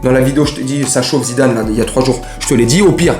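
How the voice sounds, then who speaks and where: A man's voice: medium pitch, rapid-fire, darkish tone, reverberant, soft background music. A man chatting casually about football transfers, rambling and joking in slang and speaking straight to his viewers. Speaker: football vlogger. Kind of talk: casual mercato chat to camera.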